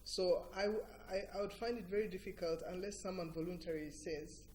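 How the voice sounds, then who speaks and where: A middle-aged woman with a Ugandan accent, speaking as an interview guest in an earnest, emphatic and deliberate explanatory way. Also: lowish voice, fairly even intonation, darkish tone, a little hiss or hum. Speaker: interview guest, cultural organisation director. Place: TV breakfast show interview.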